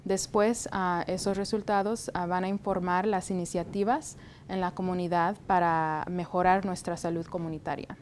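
A young woman from the United States, a health department guest in a studio interview, speaking in a measured way with many hesitation fillers, on a lapel mic. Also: fairly low pitch, fairly even intonation, a little mellow, a little hiss or hum. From United States (Texas, raised in Florida). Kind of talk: interview answers. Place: TV studio set.

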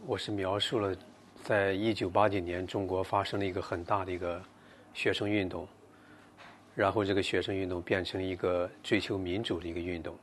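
A man, the author, answering questions in a measured, reflective way at a bookshop event, speaking into a table mic. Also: low-pitched, slight background noise.

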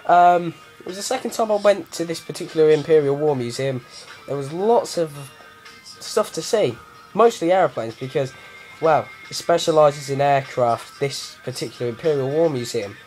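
A young man with an animated, rambling manner, improvising a casual vlog from his bed. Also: fairly high pitch, moderate pace, soft background music, low-quality recording. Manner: rambling, animated, with many ums and laughs. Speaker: vlogger. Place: bedroom.

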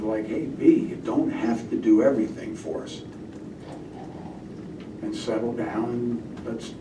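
An older man, a head coach at a post-game press conference, rambling and often trailing off into mutters. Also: medium pitch. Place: indoor press room. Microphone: table microphone. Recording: roomy, distant, noisy press room.

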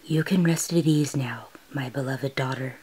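A woman's voice: extremely low pitch, normal speed, darkish tone, breathy edge, voice pushed down. A woman acting as a coldly menacing anime mother queen. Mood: coldly soothing. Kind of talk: dramatic anime villain voice demo.

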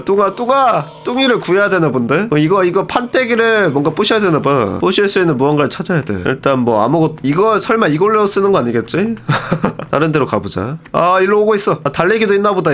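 A young man commentating a horror game, excitable and often shouting and laughing. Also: on the high side. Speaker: gaming streamer.

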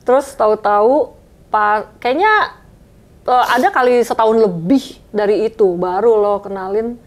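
A woman guest in a casual conversation, relaxed and easygoing, sprinkling English phrases into her talk. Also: a little high, a little slow. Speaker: guest singer and vocal coach.

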